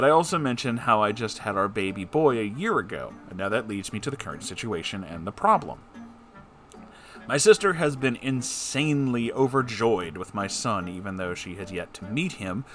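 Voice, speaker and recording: A bright-voiced man with a theatrical, highly animated delivery, reading and responding to listener letters. He slips in wry asides and talks conversationally, with music playing behind him. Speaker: host of a show reading and answering listener letters.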